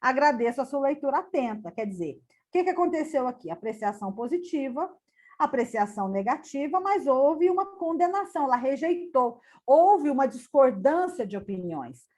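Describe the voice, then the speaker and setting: A woman giving an academic lecture over a video call, halting and repeating words often as she explains. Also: high-pitched, sing-song, a little mellow. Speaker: conference lecturer.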